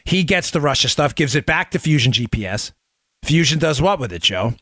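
A man's voice: fairly high pitch, expressive, a little fast, fairly bright tone, no echo, studio quality. A man hosting a political talk show, giving opinionated commentary with rhetorical questions, repeated phrases and direct address to listeners.

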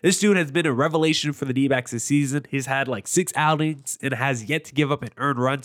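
A young man with a nasal, congested voice from allergies, hosting a sports podcast in a chatty, opinionated, rambling way. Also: medium pitch. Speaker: podcast host. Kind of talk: casual sports podcast commentary.

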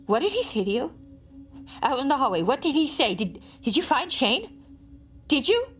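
A woman's voice: high voice, very animated, soft background music. A frantic mother. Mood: pleading. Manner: halting, stammering, rising to desperate shouts. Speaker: mother questioned by police.

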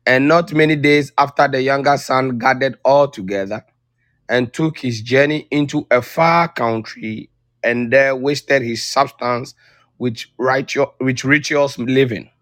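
A man reads scripture aloud in a steady, even way. His voice sits at a middle pitch and sounds dry and close, with no room around it. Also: measured pace, no room sound. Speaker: scripture reader.

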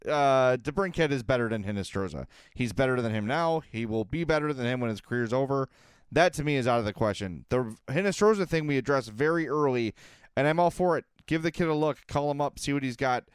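An American man hosts a sports podcast conversationally. His voice is clear and smooth at an average pitch, recorded dry with little room sound. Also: animated, brisk, no echo.

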